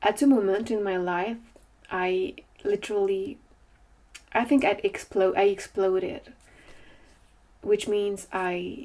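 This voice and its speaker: A woman with a French accent speaks at a very slow pace, using a medium pitch, ordinary pitch variation, and a dark, mellow tone, with long, frequent pauses. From France. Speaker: philosopher. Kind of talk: casual monologue. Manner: halting, with many fillers and repeats.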